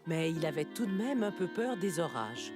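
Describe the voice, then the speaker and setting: A woman playing the kindly storyteller of a preschool cartoon, narrating in clearly phrased sentences. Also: lowish voice, big pitch swings, moderate pace. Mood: kindly storytelling. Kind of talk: scripted children's story narration. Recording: loud music behind the narration.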